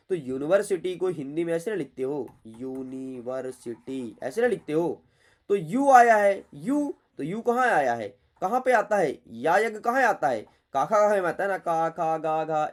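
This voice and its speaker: A man teaching through an exam paper, explaining answers in a chatty way. He scolds his students playfully and repeats his points. His voice sits a little higher than most men's. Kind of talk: exam paper walkthrough lesson.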